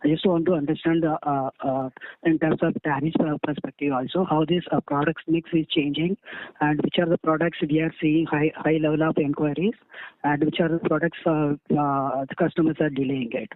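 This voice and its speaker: A man working as a financial analyst asks questions on an earnings call in a halting, deferential, repetitive way. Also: fairly high pitch, steady tone. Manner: halting, deferential, repeats himself. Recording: tinny phone line.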